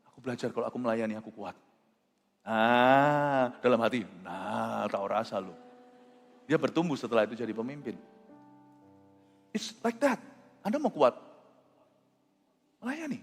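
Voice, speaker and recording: A male pastor preaching a sermon in an animated, emphatic way, telling stories and slipping in English phrases. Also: sits high. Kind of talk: sermon with storytelling. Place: church. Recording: reverberant church hall with faint music.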